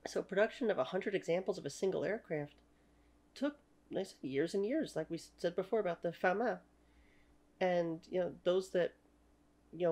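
A French-speaking Canadian woman in her thirties hosts a history channel, delivering an opinionated talking-head lecture from a small room at home. Her speech is full of "you know" fillers, and her voice is low-leaning and a little mellow.

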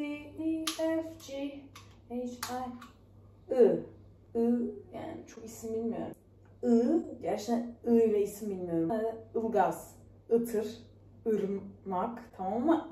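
A woman's voice: mid-range voice, mellow, recorded from a distance. Chatty woman in an echoey room. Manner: chatty, rambling and self-mocking. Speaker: vlogger. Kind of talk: casual solo vlog chat. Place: indoors in a rented holiday home. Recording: echoey room, faint background noise.

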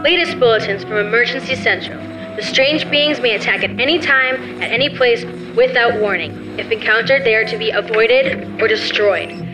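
Higher female voice, actress as grave emergency newsreader, formal, emphatic, radio drama, music behind. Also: normal speed, lightly acted, poor audio. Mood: grave, urgent. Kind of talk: radio news bulletin acting. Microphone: stand microphone. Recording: music behind stage performance.

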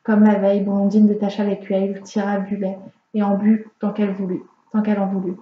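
A woman reading a fairy tale aloud as an audiobook reader, in a calm, measured storytelling manner. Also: mid-range voice. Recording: roomy, slightly dull home recording.

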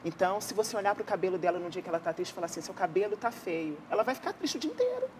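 A woman guest on a faith-based talk show, delivering testimony with firm emphasis and slowed, stressed phrases. Her voice sits mid-range. Clear background noise hums under the studio audio. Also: medium pitch, huge pitch swings. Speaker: guest counselor who sees many women. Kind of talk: religious TV talk.

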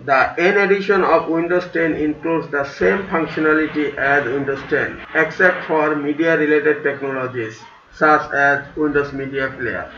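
Slow-talking man, roomy distant recording. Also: fairly high pitch, a bit bright. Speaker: tutorial host. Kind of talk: step-by-step software tutorial narration. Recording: roomy, distant, dull mic with faint hiss.

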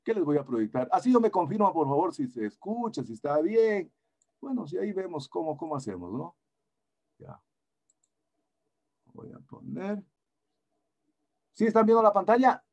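A man lecturing his students over a video call, relaxed and coaxing, often repeating his phrases. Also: high-pitched, moderate pace, pauses often, lo-fi sound. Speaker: engineering lecturer. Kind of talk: online class talk.

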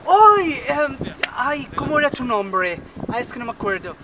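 A woman's voice: high-pitched, sing-song, unhurried. Estela, a woman playing a spoiled chatterbox. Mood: bubbly boastful. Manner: boastful nonstop chatter, fake foreign accent bits. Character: vain chatty rich young woman, spoiled daddy's girl. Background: background music.

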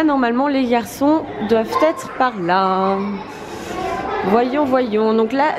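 A woman's voice: sits high, background noise. A woman with a French accent, a mother narrating a casual family vlog from a hotel, chatty and tender with her children. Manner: chatty, tender toward children, softens to a hush at bedtime. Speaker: vlog host, mother filming. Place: hotel rooms and game room, indoors.

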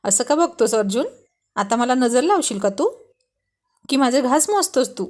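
A woman's voice: high-pitched, animated, moderate pace, darkish tone. A woman reading a storybook voices a playful, stubborn young pregnant wife who pouts and teases. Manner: pouting, playful.

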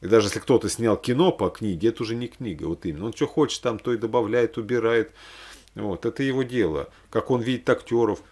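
A religious vlogger in his forties recommends films in an unscripted home vlog, chatting casually to the camera from a small room indoors. His fairly low, darkish voice moves fast. He rambles as he thinks aloud, breaking off for hesitant asides.

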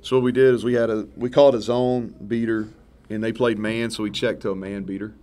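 In a press conference room in front of a sponsor backdrop, a thirties-aged head football coach rambles through candid post-game answers. He talks fairly quickly in a lowish voice, relaxed and often correcting himself. Several microphones sit on the table in front of him.

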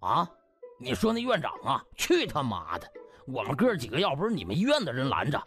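Big, blustering fat man voiced by a male narrator, coarse, colloquial, very animated, comic audiobook. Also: mid-range voice, a little fast, soft background music. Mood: furious.

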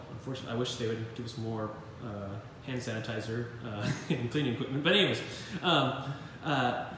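A man's voice: medium pitch, fairly bright tone, far from the mic, slight background noise. A male engineering instructor strolls through a lab, explaining equipment in a loose, rambling way full of fillers. The sound comes from a phone held while walking, his voice set back from the mic in a very echoey room. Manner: casual, rambling with many fillers and self-deprecating asides. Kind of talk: informal lab tour walkthrough. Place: university materials lab, indoors. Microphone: handheld phone camera while walking.

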